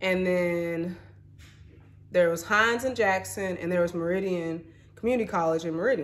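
A woman with an American accent talks at a moderate pace, pitched fairly low with ordinary variation. She leaves long, frequent pauses. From US South, Mississippi Gulf Coast; Mississippi. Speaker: YouTuber, vlogger. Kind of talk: vlog monologue. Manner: animated. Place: home room. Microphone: phone near.

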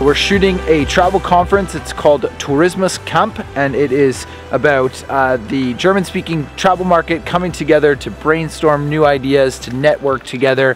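Clear music plays in the background as a man talks at a moderate pace with hardly any pauses and ordinary pitch variation, in a dry sound with no echo. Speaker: travel photographer vlogger. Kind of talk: casual vlog chat. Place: street. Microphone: phone near.

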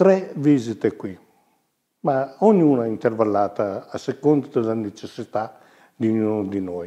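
Over a quiet background, a man with a medium pitch and a dark, mellow tone speaks at a very slow pace with ordinary pitch variation. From northern Italy, Piedmont (Lake Orta); Piedmont, Italy. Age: 70s. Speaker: dental patient. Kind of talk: testimonial. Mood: relaxed, pleased.

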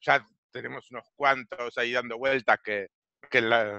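A man with a Rioplatense accent talks at a fairly slow pace, his intonation fairly even. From Argentina. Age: 40s. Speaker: IT professional and webinar presenter. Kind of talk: webinar presentation. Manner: halting.

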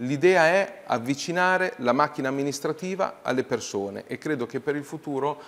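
A man with a normal speaking voice talks at a moderate pace, his fairly high pitch moving with ordinary variation. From central Italy, Fano (Marche); Marche, Italy. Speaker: mayoral candidate; candidate. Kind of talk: interview. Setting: studio. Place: studio. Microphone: lapel.

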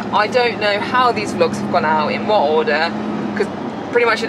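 A woman talks at a fairly quick pace. Loud background noise runs beneath her voice. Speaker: horse eventing vlogger. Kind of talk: casual vlog chat. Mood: cheerful, laughing. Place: car. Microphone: phone near.

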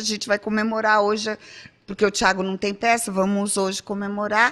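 Against a quiet background, a woman with a fairly high voice talks at a fairly quick pace. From Brazil. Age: 60s. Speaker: artist; podcast guest. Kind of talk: casual chat. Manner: halting. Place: studio. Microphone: studio mic.

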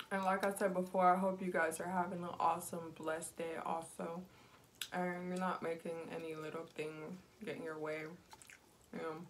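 With light background noise, a woman speaks in a fairly low, monotone, flat voice. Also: moderate pace. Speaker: food vlogger. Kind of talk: casual vlog chat. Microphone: phone near.

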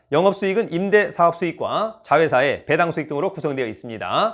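On a very clean recording with a silent background, a man speaks in a high pitch with lively intonation. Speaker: stock market YouTuber, lecturer. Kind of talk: stock analysis presentation. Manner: animated.

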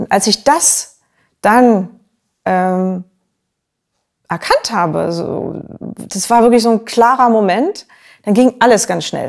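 The speech comes at a very slow pace with long, frequent pauses and ordinary pitch variation. The background is quiet. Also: woman. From Berlin, Germany. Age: 50s. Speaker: engineer, recovering alcoholic sharing her story. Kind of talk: testimony. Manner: hesitant, many fillers. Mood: calm, reflective. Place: home room. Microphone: lapel.

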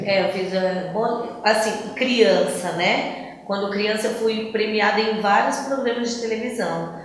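Amid strong room echo, a woman speaks very slowly at a fairly high pitch with fairly even intonation. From Minas Gerais, Brazil. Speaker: singer. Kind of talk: interview answer. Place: studio.

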